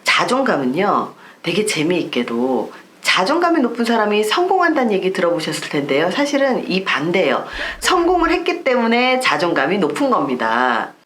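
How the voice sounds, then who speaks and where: A woman's voice: medium pitch, a bit bright, a little hiss or hum. A woman lecturer explaining psychology in an emphatic, explanatory way, asking rhetorical questions. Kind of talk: recorded lecture to camera.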